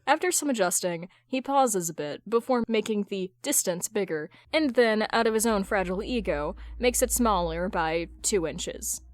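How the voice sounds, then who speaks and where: A woman's voice: medium pitch, lively intonation, normal speed, hardly any pauses, dry recording. A woman reading scripted fiction as an audiobook-style narrator, with wry asides. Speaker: podfic narrator.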